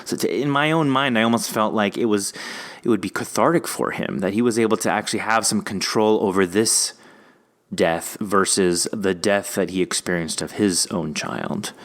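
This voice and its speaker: A man with a fairly low voice hosts a casual podcast discussion. He talks earnestly, working out his thoughts as he goes. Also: normal speed, fairly bright tone. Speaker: podcast host. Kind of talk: casual discussion of an audio drama episode.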